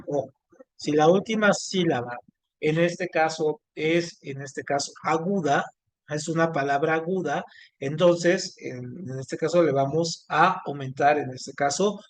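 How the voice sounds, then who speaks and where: A man teaching an online class, speaking haltingly with many fillers and restarts. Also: a little high. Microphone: video call.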